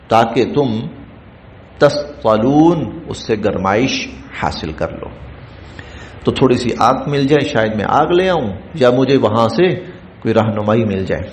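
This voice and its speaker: A man's voice: medium pitch, expressive. A man from Pakistan teaching a Quran translation and commentary lesson, chanting Arabic phrases and explaining each in Urdu, recorded in a mosque. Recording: echoey mosque room, faint background noise.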